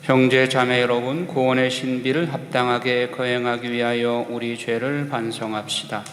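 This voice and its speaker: A man, a Catholic priest, reciting liturgical prayers in a measured, solemn manner in a reverberant church. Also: mid-range voice, level tone, a bit bright. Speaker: Catholic priest celebrating Mass. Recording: echoey church hall, faint noise.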